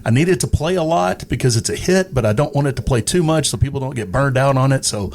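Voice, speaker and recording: A man's voice: mid-range voice, lively intonation, fast talker, darkish tone. A middle-aged man from East Texas chatting casually as an interview guest, repeating words as he thinks his way through memories. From East Texas, United States. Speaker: interview guest, radio personality. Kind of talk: casual chat, reminiscing. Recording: noticeable background noise.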